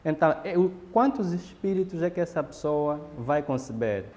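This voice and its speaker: A man's voice: fairly high pitch, animated, moderate pace, a little mellow. A man explaining ritual practice in a documentary interview, lecturing and often adding tag questions. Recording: roomy echo with long reverb.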